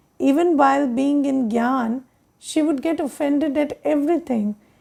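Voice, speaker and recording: In an Indian accent, a woman with a dark, mellow tone and a high pitch speaks at a moderate pace with ordinary pitch variation on a very clean recording with a silent background. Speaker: spiritual teacher. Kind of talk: spiritual talk.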